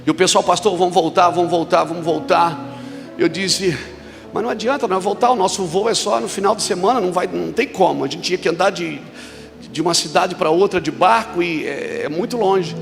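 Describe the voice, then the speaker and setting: A man preaching at a church conference, telling a story and then shouting emphatic declarations to the congregation. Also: high voice, fairly quick, gravelly. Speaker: pastor. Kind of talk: sermon with storytelling. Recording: long reverb of a large hall with music.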